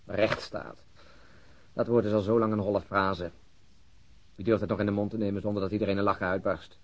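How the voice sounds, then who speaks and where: An actor playing a weary, outspoken and sardonic police detective in a radio drama, with a husky voice. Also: male voice, on the low side, level tone, fairly quick, lightly acted. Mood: bitter, sardonic. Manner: argumentative, sardonic. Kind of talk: Dutch-language radio play acting. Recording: dull, muffled lo-fi audio.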